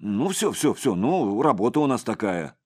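A man's voice: mid-range voice, big pitch swings, normal speed, slightly rough. A man voicing a male street enforcer who hisses threats, then mumbles excuses. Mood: placating. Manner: hissing whisper, then mumbling.

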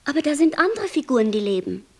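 An actress playing a naive, questioning black angel in a German radio play, simple, wondering and gently reproachful. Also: female voice, high voice, big pitch swings, fast talker. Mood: troubled wondering.

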